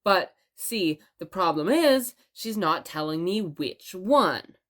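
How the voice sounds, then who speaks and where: Chatty radio host lady for an audio drama, lowish voice, wry n playful, tells stories expressively. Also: animated, slow, a bit bright. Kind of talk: audio drama radio broadcast and scripted narration.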